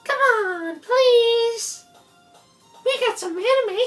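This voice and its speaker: A woman voicing a bubbly, airheaded high-school girl in a visual novel, squeaky and excitable. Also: extremely slow, soft background music, exaggerated voice. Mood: pleading. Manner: excitable, loud.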